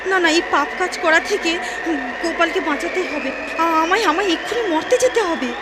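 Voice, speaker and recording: A woman voicing an imperious, motherly goddess in a Bengali cartoon, dramatic and quick to scold. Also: very high-pitched, lively intonation, very noisy. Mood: alarmed. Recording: loud background music under the voice.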